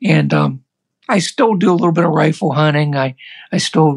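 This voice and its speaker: A man speaks with vocal fry at a fairly high pitch. The sound is dry and close, with no echo. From Pennsylvania. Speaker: quadriplegic hunter. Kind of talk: casual interview chat.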